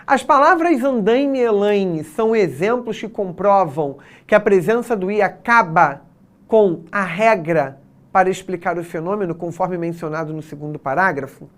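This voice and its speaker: A woman's voice: mid-range voice, normal speed. A woman with a Brazilian Portuguese accent teaching an exam prep lesson, explaining step by step and checking in with her students.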